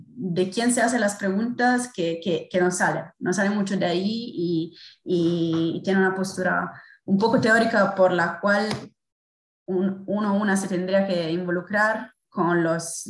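A woman with an Italian accent speaking Spanish as a second language, haltingly searching for words in a spontaneous discussion. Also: fairly low pitch. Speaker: course participant. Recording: roomy, echoing sound.

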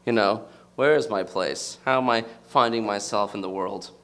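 A man's voice: on the low side, normal speed, fairly bright tone. A man in his thirties from the United States, giving a personal, reflective talk to a live audience and searching for his words as he goes. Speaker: speaker addressing an audience.

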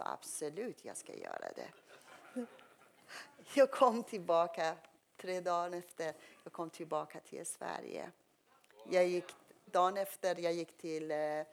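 Woman telling her story in learner Swedish. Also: on the low side. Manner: earnest, emotional storytelling in simple learner Swedish. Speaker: testimony speaker. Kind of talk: personal testimony.

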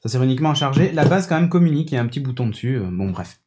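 A man's voice: mid-range voice, lively intonation, rapid-fire, a little mellow, soft background music. Man, podcast host, casual tech chat, enthusiastic, hesitant fillers, studio mic. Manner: chatty, enthusiastic, demonstrating with many hesitations. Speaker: podcast host presenting a gadget. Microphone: podcast studio microphone on a mixing desk.

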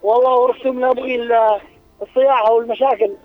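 A man calling in over the phone from his car. He talks in a hurried, blunt way. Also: very high voice, steady tone. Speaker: phone-in caller. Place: in a car with the radio playing. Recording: tinny phone line with radio music behind.

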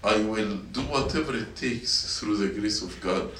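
Male youth teacher, deep bright voice, slow deliberate sermon, recorded from afar in an echoey room with faint noise. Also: distant mic. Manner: slow, repeats points, asks the students questions. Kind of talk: sermon to middle schoolers. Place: church meeting room.

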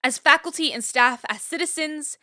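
A woman's voice: sits high, normal speed, pushed and bright, no room sound, studio quality. A woman playing an indignant, fiercely principled academic activist in an audio drama, speaking in an emphatic, impassioned way. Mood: outraged.

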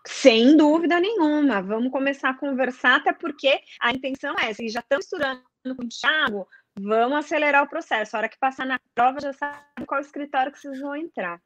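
Woman, a bit high voice, dry close sound, explains step by step and keeps asking herself questions. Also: a little fast, few pauses, a bit bright, no echo. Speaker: guest explaining investment advisor certification. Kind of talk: casual explanatory chat, addressing viewers.

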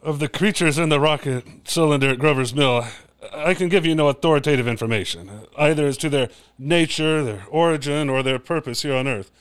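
A man playing a learned, cautious scientist, explaining deliberately and pedantically in a radio drama. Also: on the high side, smooth, no room sound, lightly acted. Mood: cautious, scholarly.

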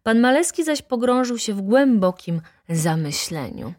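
A woman narrating a classic novel as an audiobook in a calm, even storytelling voice. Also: a little high, a little slow, no room sound, studio quality. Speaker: audiobook reader.

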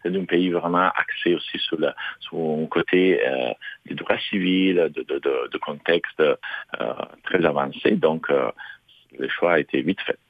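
A man's voice: rumbling low, a little slow, no echo. A middle-aged man from Italy, speaking French as a second language, answering interview questions with many fillers and restarts. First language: Italian. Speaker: guest. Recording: dry, phone-like narrow sound.

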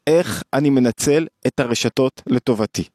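A man's voice: mid-range voice, a little mellow, no room sound. Emphatic man giving a dry lecture. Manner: emphatic, repeats phrases for stress. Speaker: lecturer on Jewish psychology. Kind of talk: daily video lecture.

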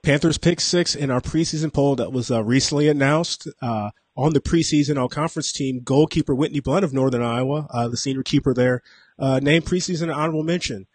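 A man's voice: mid-range voice, fairly quick, no room sound. A man hosting a sports radio show, asking questions steadily with some fillers. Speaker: radio host.

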